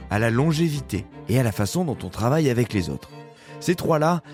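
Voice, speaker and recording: A man of middle pitch hosts a podcast. He reads his intro with emphatic rises on key words and then moves into relaxed questions. Faint music plays under his voice. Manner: lively, emphatic narration rising on key words. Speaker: podcast host. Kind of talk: scripted intro then interview.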